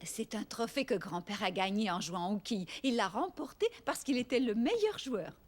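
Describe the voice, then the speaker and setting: A woman's voice: medium pitch, expressive, normal speed, lightly acted. A woman playing a caring, sensible old grandmother in a children's cartoon. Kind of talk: French-language children's cartoon dialogue.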